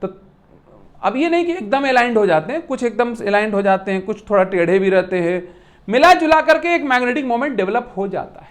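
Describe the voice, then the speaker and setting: Physics lecturer, lively and repetitive, teases the class with analogies and quick check-in questions. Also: mid-range voice. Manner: animated, repeats points with rhetorical questions and playful classroom analogies; mixes English technical terms into Hindi speech. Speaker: physics teacher.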